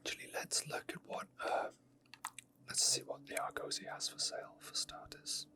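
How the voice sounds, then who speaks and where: Softly whispering, a creator of gaming ASMR videos narrates gameplay off the cuff. The delivery is breathy and slow, like thinking out loud.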